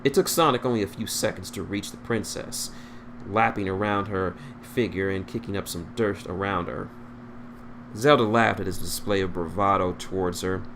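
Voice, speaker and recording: A man's voice: sits low, normal speed, fairly bright tone. A man reading fan fiction aloud as an amateur narrator, stumbling over words, on a noisy recording.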